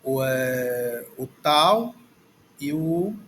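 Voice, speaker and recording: A man's voice: medium pitch, expressive, drawn-out words, fairly bright tone, slight background noise. A man with a Brazilian Portuguese accent teaching a language lesson, reading through a textbook and saying words aloud several times as he works out how to say them. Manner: repeats words aloud, thinking as he reads. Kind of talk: slow, halting lesson, going through a textbook. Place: at a desk, screen recording.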